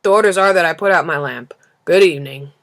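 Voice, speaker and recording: A woman's voice: fairly low pitch, quick pace, lightly acted. A woman voicing a weary, complaining lamplighter in a storybook, bound by orders, with a clipped, emphatic manner. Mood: curt, emphatic. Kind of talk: storybook character reading.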